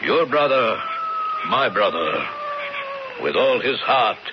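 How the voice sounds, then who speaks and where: Solemn native american man in old radio drama, talks slow in broken english, muffled with hiss. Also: lowish voice, very animated. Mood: solemn, grave. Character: solemn Native American man, wary, devout, loyal friend. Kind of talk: 1970s radio drama acting.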